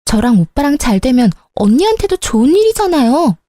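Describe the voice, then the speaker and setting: Woman putting on a whiny high young sister-in-law. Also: sing-song, a little fast, warm tone, no room sound. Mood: sulky. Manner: sulky, complaining.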